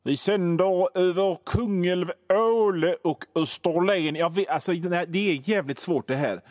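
A man's voice: sits high, a little mellow, no echo. A man with a Gothenburg accent hosting a radio show, rambling through a self-mocking comic monologue. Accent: Gothenburg Swedish. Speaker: radio host.

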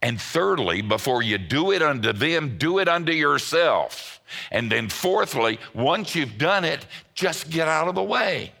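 A man preaching a sermon to his congregation, folksy and emphatic, with a dry joke now and then. His low voice has a gravelly edge, yet it sounds bright and forceful. He swings his pitch widely to drive each point home. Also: very animated, measured pace. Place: church service before a congregation.

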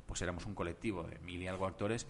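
A man who works as a voice actor, guesting on a podcast and telling stories in an animated way with lots of asides. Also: low voice, quick pace, slight background noise. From Germany. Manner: animated storytelling, many asides. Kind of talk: casual podcast interview.

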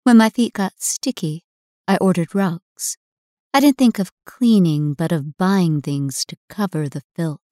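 Female narrator, lowish pitch, dry close recording, scripted first-person horror storytelling. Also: a little slow, mellow, dry recording.

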